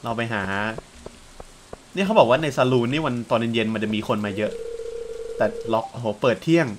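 Young man, let's play commentary, excitable, chatty, quick to exclaim, middling pitch. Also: a little hiss or hum. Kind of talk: casual gameplay commentary.

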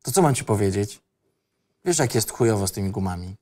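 A man's voice: lowish voice, expressive, a little fast, mellow. An actor playing a laconic, evasive young man in a screenplay reading performed as a radio play. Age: young adult. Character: Tomek, a brooding, evasive young man back home from abroad.

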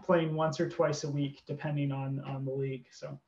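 A Canadian man with a fairly high voice runs through campus sports offerings in an informative way, pausing on fillers and restarting. The call audio sounds dull and muffled, with a roomy echo. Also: flat delivery, crowd noise. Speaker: university presenter. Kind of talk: virtual info session presentation.

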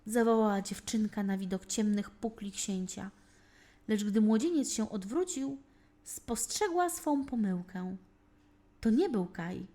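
High, animated woman storyteller. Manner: expressive, deliberate narration. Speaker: fairy tale narrator. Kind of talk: scripted children's storytelling.

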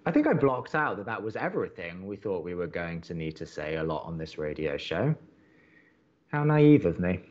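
A man's voice: sits low, very animated, normal speed, a little mellow, dull audio. A man playing an upbeat, chatty young college radio co-host in an audio romantic comedy, earnest and wry. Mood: wry, awkward.

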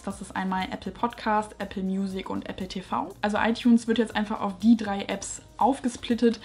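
A young woman recaps tech news in a casual, lightly opinionated way, speaking straight to camera. Her voice sits at a middle pitch. She is recorded in a small room at home. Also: darkish tone. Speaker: tech YouTuber.

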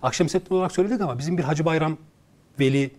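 A man appearing as a guest screenwriter in a studio talk, explaining earnestly and often pausing to search for words. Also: a little high, a little mellow. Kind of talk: casual studio conversation.

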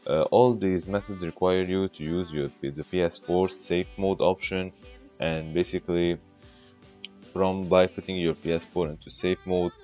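A man's voice: low-pitched, fairly even intonation, normal speed, darkish tone, faint music behind. A man hosting a casual tech tutorial, talking the viewer through each step, his voice coming through a glitchy, bitcrushed mic that makes it sound robotic.

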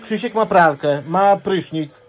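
A man in casual chat, coaxing and repeating things loudly while showing someone around a flat. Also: sits high, measured pace, background noise.

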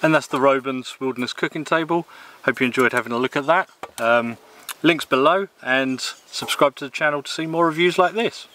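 A man in his thirties from England casually reviewing a camping table outdoors in the woods, with a relaxed manner and plenty of ums and uhs. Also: mid-range voice, a little fast, a little hiss or hum. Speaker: gear reviewer. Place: outdoors in woodland.

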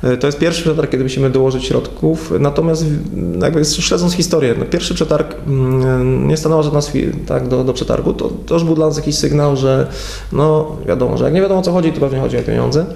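Gravelly man, hesitant county official. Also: on the high side, mellow. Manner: measured, hesitant with many fillers. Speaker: county head. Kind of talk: local TV interview. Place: TV studio at a table. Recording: echoey studio room.

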